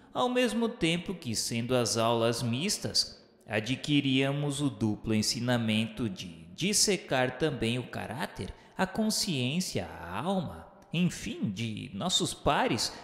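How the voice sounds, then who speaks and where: Male narrator, Brazilian accent, mid-pitched. Solemn, formal radio-novel storytelling with strong echo. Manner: solemn, formal, literary diction. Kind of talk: dramatic scripted first-person narration. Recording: echoey hall reverb with music. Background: music.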